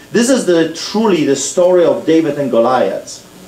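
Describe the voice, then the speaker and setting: Amid noticeable background noise and audible room echo, a man with a Polish accent speaks at a fairly high pitch in an animated tone with lively intonation. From Poland. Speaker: street preacher and activist. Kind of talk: public speech to audience. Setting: restaurant event with audience.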